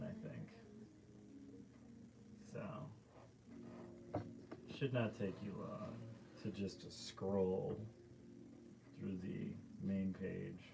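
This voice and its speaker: A deep-voiced man with vocal fry hosts a live stream from his art studio while he paints, with background noise behind him. He's a painter chatting casually, rambling through loose stories full of fillers.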